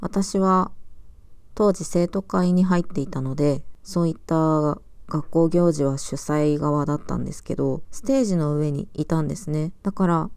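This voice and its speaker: Very deep, low-pitched woman's voice, dark and mellow in tone, with ordinary pitch variation on a very clean recording with a silent background. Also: fairly slow pace. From Japan, Hokkaido (Sapporo). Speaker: podcaster. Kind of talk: personal reflection monologue.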